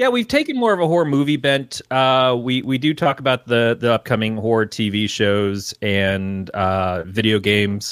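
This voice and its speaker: In a plain, everyday voice with an American accent, a man speaks at medium pitch and a moderate pace with hardly any pauses, ordinary pitch variation and very even loudness, on a very clean recording with a silent background. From Michigan, Detroit area. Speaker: podcast host guesting. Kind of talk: casual chat, storytelling.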